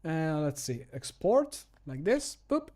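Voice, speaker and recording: A man's voice: fairly high pitch, very animated, takes it slowly, darkish tone. A middle-aged man chatting casually on a live stream in a playful, joking, self-deprecating way. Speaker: streamer and Skyrim modder. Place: home room, indoors.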